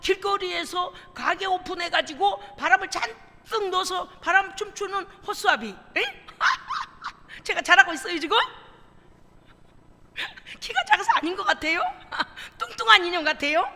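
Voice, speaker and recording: High, gravelly woman pastor preaching. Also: big pitch swings, moderate pace, pushed and bright. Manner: emphatic, asks congregation for responses. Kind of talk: sermon. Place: church sanctuary. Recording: long reverb of a church hall.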